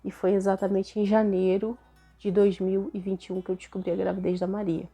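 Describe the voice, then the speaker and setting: A young Brazilian woman with a Brazilian Portuguese accent, hoarse and a little nasal from a cold, chatting casually to camera as host of her faith channel, often tagging her sentences with questions. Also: medium pitch, little pitch movement, fairly quick, warm tone, soft background music. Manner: chatty, frequent tag questions.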